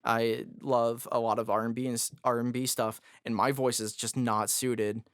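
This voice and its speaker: A man with a raspy, somewhat high voice, chatting loosely as a podcast guest. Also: flat delivery, normal speed, no echo, studio quality. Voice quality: raspy, higher voice. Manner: loose and jokey, lots of fillers. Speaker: guest musician. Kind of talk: casual podcast conversation.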